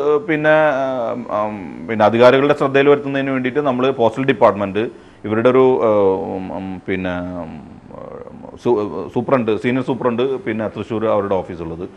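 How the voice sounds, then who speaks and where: Muffled audio captures a mid-range male voice: a fraud victim from Thrissur, Kerala, telling his story off the cuff in an interview. He hesitates, gropes for words frequently, and slips English words in.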